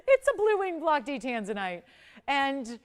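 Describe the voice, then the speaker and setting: A woman in her forties hosts a live TV jewelry shopping show, giving an enthusiastic, emphatic sales pitch that keeps circling back to the same selling points. She is very animated yet unhurried.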